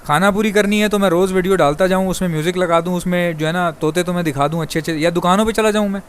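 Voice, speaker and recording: Male bird-breeding vlogger from Pakistan, rapid and talkative, slightly high voice, faint ambient hiss. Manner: rapid, chatty, addresses viewers as brother. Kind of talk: fast casual monologue to viewers.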